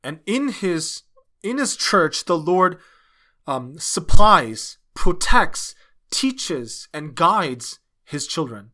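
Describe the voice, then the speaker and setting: Male sermon interpreter, slightly high-pitched, halting phrase-by-phrase preaching delivery. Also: big pitch swings, pushed and bright. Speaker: interpreter dubbing a pastor's sermon.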